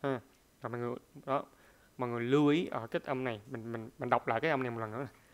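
A man's voice: mid-range voice, fairly even intonation, very fast. A man teaching a pronunciation lesson. He hesitates often, uses many fillers, and repeats each word several times to demonstrate it.

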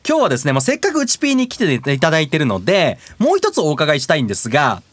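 A rapid-fire idol emcee. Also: male voice, a little high, wildly swooping pitch, fairly bright tone, no echo, exaggerated voice. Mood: bantering. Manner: quick, bantering, steering the show. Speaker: show host. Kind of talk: casual radio talk in character.

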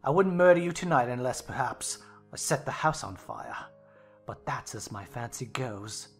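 A woman's voice: rumbling low, animated, moderate pace, faint music behind, voice pushed down. A woman voicing a reckless, drunken middle-aged father who speaks with scorn and mockery. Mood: scornful. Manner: scornful and mocking.

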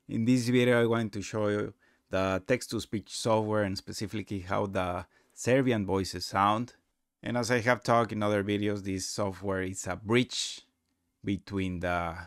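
Low, creaky-voiced man presenting a tutorial. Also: dry recording, studio quality. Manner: halting, non-native English phrasing. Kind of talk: casual screen-recorded tutorial narration.

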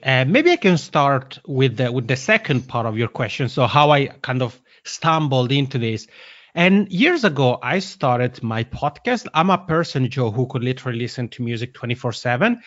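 Lively Italian-accented man, dry sound. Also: mid-range voice, no room sound. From Italian-speaking Switzerland. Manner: lively, laughs often, restarts phrases. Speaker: podcast guest, podcasting consultant. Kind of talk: casual interview chat. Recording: dry, slightly dull audio.

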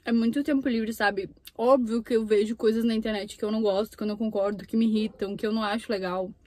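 A woman's voice: fairly high pitch, steady tone, fast, darkish tone, dry recording. A young woman from Brazil chatting casually between bites of food while filming a mukbang in a parked car, with the camera on the dashboard. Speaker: mukbang YouTuber. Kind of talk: casual chat while eating.

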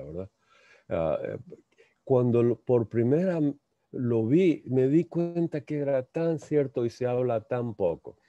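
A man slowly lecturing on a spiritual text, halting and repeating words, asking rhetorical questions. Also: medium pitch, warm tone, dry recording. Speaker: lecturer on theosophy. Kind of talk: slow reflective spiritual lecture. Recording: muffled lo-fi dry sound.

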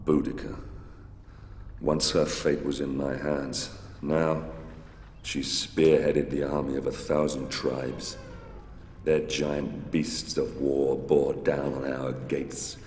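An actor playing a grave, embittered Roman warrior, narrating solemnly in a dramatic video game. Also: male voice, a bass voice, level tone, takes it slowly, a little mellow, heavily acted. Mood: solemn, bitter. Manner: solemn, brooding. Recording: long echoing reverb, faint ambient noise.

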